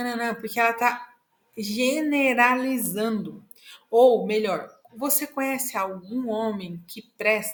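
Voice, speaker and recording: A woman's fairly high voice at a very slow pace, with big swings in loudness and audible room echo. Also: ordinary pitch variation. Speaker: therapist and course teacher. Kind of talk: lecture. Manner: steady, even pace; slow, deliberate.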